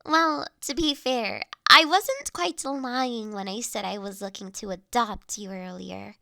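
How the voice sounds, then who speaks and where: A woman acts out a gentle young lady of the manor in an intimate roleplay audio drama. Her voice is high and she takes her time over formal, measured phrases, earnest and caring. The sound is close and very dry. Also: gravelly, no room sound, exaggerated voice. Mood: playful, composed.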